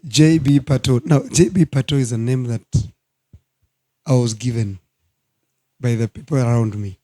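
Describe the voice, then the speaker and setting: A hoarse man in his thirties, a guest minister speaking earnestly in a studio talk show interview. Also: mid-range voice, warm tone. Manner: slow, earnest, preacherly.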